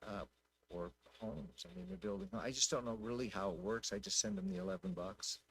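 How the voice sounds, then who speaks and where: A man speaking informally at a public council meeting, thinking out loud in a folksy, conversational way. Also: mid-range voice, big pitch swings, brisk, creaky. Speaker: city council member.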